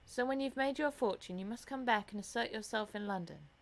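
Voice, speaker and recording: A woman's voice: on the high side, a little fast, close to an everyday voice. A woman voicing a faded theatrical mother in an audiobook, self-pitying, snobbish and fretful, with an affected manner. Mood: pained, haughty. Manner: affected, melodramatic. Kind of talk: audiobook character voice.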